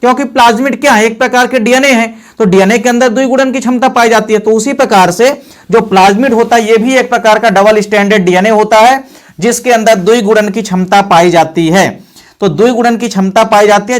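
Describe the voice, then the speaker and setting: High-voiced teacher quizzing himself. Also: male voice. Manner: repeats points, asks and answers own questions. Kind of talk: board lesson.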